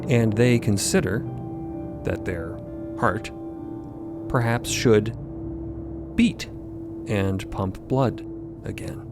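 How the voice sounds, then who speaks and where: A man giving dramatic scripted narration for audio fiction, deliberate and suspenseful. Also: fairly low pitch, music in the background.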